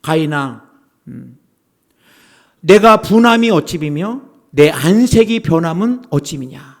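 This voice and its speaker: A man as pastor giving a Sunday sermon, preaching earnestly and often turning to speak straight to his congregation. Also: high voice. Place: church service.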